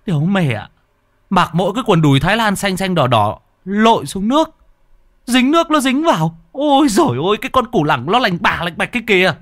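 A man voicing a crude old village man who swears, stammers and shouts in panic. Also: medium pitch, big pitch swings, moderate pace, hardly any pauses, husky, no echo, studio quality. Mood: indignant. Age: older.

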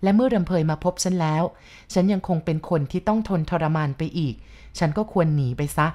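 A woman's voice: fairly low pitch, a little fast, mellow, lightly acted. A woman reading an earnest lovelorn older man. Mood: sorrowful. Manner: earnest, pleading, sorrowful. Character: lovelorn man, older, yearning for lost love.

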